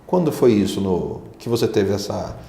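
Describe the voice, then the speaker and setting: Male talk host, gravelly, chatty, leads with prompts, roomy sound. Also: on the low side, animated, normal speed, warm tone. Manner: chatty, leading the guest with prompts. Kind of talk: casual business interview.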